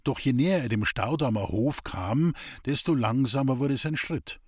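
Husky male audiobook narrator, close and dry. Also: medium pitch, lively intonation, darkish tone, no room sound. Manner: measured storytelling, giving the characters rural dialect. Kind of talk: audiobook reading of a classic novel.

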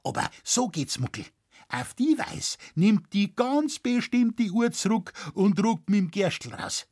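A man's voice: sits high, big pitch swings, measured pace, a little mellow, voice pushed up, exaggerated voice. A man voicing a sly, jovial Bavarian village blacksmith who talks in broad, hearty dialect.

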